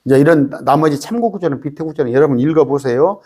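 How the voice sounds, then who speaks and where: A man's voice: fairly high pitch, expressive, fast, warm tone. A male pastor with a Jeolla accent, preaching an emphatic, folksy Bible study sermon full of rhetorical questions. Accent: Jeolla Korean.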